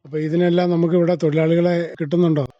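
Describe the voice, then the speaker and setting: A man's voice: on the high side, little pitch movement, racing, dark tone, no room sound. A man with a Kerala accent working as a radio interviewer, asking conversational, inquisitive questions and checking the answers. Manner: inquisitive, often ends with confirming tag questions. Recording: dull, band-limited dry radio recording.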